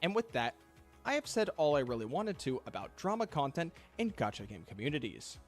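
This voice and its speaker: A man reading a scripted video essay, measured and reflective, critical in tone. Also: fairly high pitch, sing-song, faint music behind. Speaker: commentary channel host.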